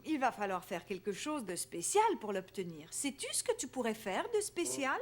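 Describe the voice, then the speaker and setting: A woman voicing a kind, encouraging young mother in a children's cartoon, gentle and coaxing. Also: fairly high pitch, very animated, normal speed.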